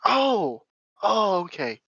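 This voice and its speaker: A man's voice: high-pitched, big pitch swings, slow pace, creaky, bright, forceful tone, slightly rough, dry recording, dull audio. A man co-hosting a podcast, chatting casually in an easygoing way and laughing often. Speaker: podcast co-host. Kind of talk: casual chat.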